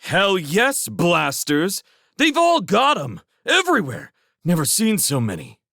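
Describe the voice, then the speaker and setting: Man acting frantic shrieking soldier, very high-pitched. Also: huge pitch swings, measured pace, creaky, bright, forceful tone, dry recording, clean studio sound, exaggerated voice. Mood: angry panic. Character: panicked young male soldier scout, shrieking and combative. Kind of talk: dramatic audiobook character acting.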